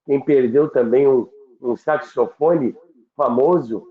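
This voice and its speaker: An older man reminisces in a slow, deliberate, halting way. He speaks conversationally, like a presenter recounting history. The sound is thin and phone-like, with a roomy echo. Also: medium pitch. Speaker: radio history presenter, former radio worker. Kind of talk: conversational storytelling about radio history.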